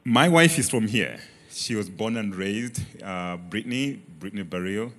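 A man's voice: lowish voice, animated, normal speed, fairly bright tone. A young man from Malawi with a Malawian accent, sharing his story earnestly in an onstage church interview. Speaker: church member guest. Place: large church auditorium, on stage. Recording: reverberant church hall.

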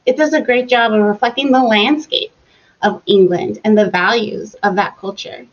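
Slow, deliberate woman explaining. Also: mid-range voice. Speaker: interviewee, educator. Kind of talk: interview answers. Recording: muffled lo-fi sound.

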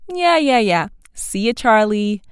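A woman's voice: sits high, expressive, measured pace, no room sound, studio quality, pitched above the performer's own voice. A woman voicing a bold, self-assured schoolgirl with a breezy manner. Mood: cocky.

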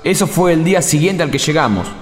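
Higher-voiced, apologetic Argentine volunteer, played by a man. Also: expressive, fast talker, lightly acted. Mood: apologetic, earnest. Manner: earnest, hesitant explaining. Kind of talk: radio drama acting. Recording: echoey hall reverb, music behind.

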